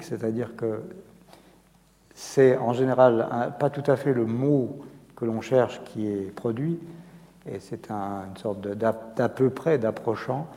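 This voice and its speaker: A man answering audience questions at a public lecture, explaining in a measured way with frequent hesitations and restarts. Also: medium pitch, dark tone. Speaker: memory centre director answering audience questions. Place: lecture hall. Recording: reverberant hall.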